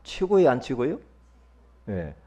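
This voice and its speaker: Male pastor, husky tone, very lively pitch, chatty sermon that keeps asking the room for answers. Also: moderate pace. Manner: animated, conversational, often questions the congregation. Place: church.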